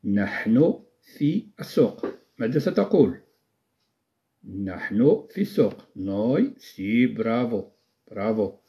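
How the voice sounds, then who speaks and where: A man with a Moroccan Arabic accent teaching Italian in a live-stream lesson, repeating words slowly, quizzing his viewers and praising their answers. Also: on the low side, animated, muffled recording.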